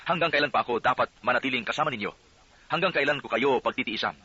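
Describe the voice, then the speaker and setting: Brief: calm authoritative male teacher, read by a male narrator, bright brisk voice, lo-fi sound. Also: mid-range voice, breathy edge, no echo. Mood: solemn. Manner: solemn, teaching cadence. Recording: dull lo-fi audio.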